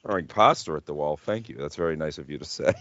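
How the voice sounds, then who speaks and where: A man's voice: very deep voice, animated, fast, fairly bright tone, dry recording, muffled recording. A man hosting a casual wrestling chat podcast, talking in a jokey, hyperbolic way with some swearing. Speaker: podcast host.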